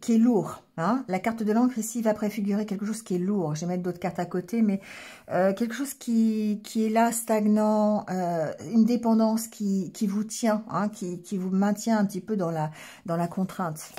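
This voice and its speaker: Hoarse woman giving a hesitant tarot reading. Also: mid-range voice, moderate pace, dark tone. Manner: hesitant, many fillers and restarts, checks in with "d'accord?"; clears throat often. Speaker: tarot card reader. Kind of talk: casual tarot reading addressed to viewers.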